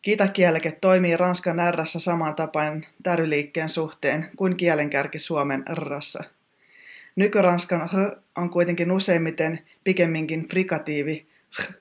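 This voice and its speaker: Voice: medium pitch, fairly even intonation. A teacher giving a scripted pronunciation lesson in a precise, technical, instructive manner.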